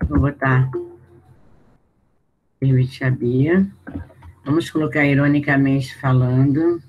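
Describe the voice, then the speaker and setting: A man with a Brazilian Portuguese accent teaching an online video lesson. He talks in a conversational way, reads exercise prompts aloud, thinks out loud and keeps checking in with his students. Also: mid-range voice, fairly even intonation, takes it slowly, muffled recording, faint music behind. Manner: conversational, checking in with students through tag questions.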